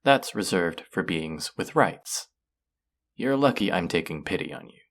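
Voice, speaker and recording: A man playing a haughty, cruel yet curious alien buyer in an audio roleplay, talking down to the listener in a deliberate, condescending murmur. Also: low voice, animated, fairly bright tone, heavily acted. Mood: commanding, condescending.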